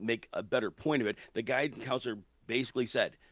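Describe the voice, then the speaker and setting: This man has a normal speaking voice, an American accent and a medium pitch, talking at a fairly quick pace with ordinary pitch variation. The sound is dry and close with no echo, on a very clean recording with a silent background. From US Midwest, Chicago area. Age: 60s. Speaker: fantasy sports writer, former teacher. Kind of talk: interview storytelling.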